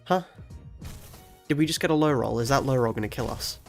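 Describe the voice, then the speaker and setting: A young man streaming a video game while ill with a cold, sounding nasal and stuffy, talking quietly with low energy and chuckling now and then. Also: brisk, gravelly, soft background music. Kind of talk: casual live-stream chat while playing.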